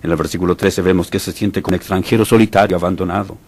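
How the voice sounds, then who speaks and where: A man preaching a sermon in an emphatic way, with sudden rises in pitch and loudness. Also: fairly even intonation, racing, a little hiss or hum.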